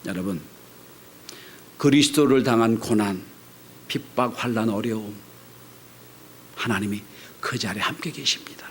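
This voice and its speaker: A man preaching a Sunday sermon as pastor, swinging between loud cries and hushed, whispered lines. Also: on the low side, measured pace, long pauses, a little hiss or hum.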